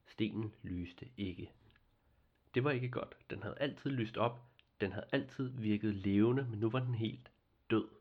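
A man narrating a fairy tale in a calm, measured reading voice as host of a story series. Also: mid-range voice, dull audio.

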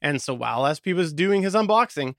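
A man with a slightly high voice talks casually as a podcast co-host. He explains things in a loose, rambling way, recorded close and dry with no room sound. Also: animated, brisk, fairly bright tone, no echo. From Canada. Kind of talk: casual chat about audio gear.

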